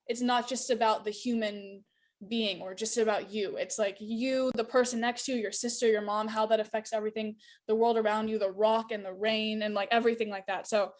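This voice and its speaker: Young woman saying "like" a lot. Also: mid-range voice. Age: young adult. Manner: casual, leaning on "like". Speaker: guest author. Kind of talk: casual interview answer.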